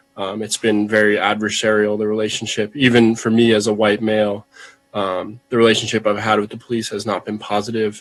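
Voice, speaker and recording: Here a man with an American accent talks at a fairly quick pace. His pitch is fairly low and his intonation monotone and flat. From Cambridge, Massachusetts. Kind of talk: public testimony.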